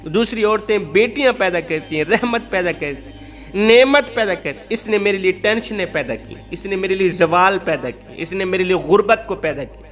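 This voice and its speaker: A harsh husband, as a male preacher puts him on, rants in a high voice and heaps repeated insults on his wife. The line comes from a sermon tale, with faint music behind. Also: expressive, fairly bright tone. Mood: complaining. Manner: insulting, ranting in repeated phrases. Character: harsh scolding husband, a grown man.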